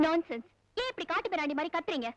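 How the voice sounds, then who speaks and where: An actress playing a proud, sharp-tongued young woman college student who answers with quick, pointed retorts. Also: very high-pitched, sing-song, a loud crowd. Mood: scornful. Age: young adult. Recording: dull old film soundtrack with music.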